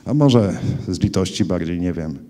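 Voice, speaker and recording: A man with a low, dark voice tells his testimony earnestly to a gathered congregation. He drops to hushed tones, then rises sharply when he grows intense. His voice rings with a long reverb from a large hall. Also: lively intonation, normal speed. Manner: earnest, swings from hushed to loud crying out. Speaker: person giving a testimony.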